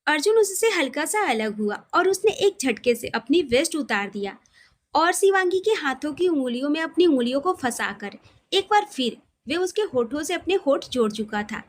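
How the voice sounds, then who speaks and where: High-pitched woman narrating romantic fiction. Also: sing-song, normal speed. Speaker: storyteller. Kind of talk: scripted romantic story narration.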